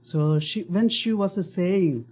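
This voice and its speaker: A missionary man from India with an Indian English accent, telling his life story in short, halting phrases, often saying "see" and "you know, like", with frequent laughs. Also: high voice, darkish tone, lo-fi sound. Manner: laughs often between sentences. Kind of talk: slow personal testimony in English, paused for interpreting.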